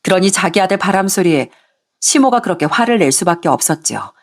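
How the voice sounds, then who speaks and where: A woman reading out a first-person story in a calm, even voice. She keeps a polite, measured storytelling manner from line to line. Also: lowish voice. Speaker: story narrator.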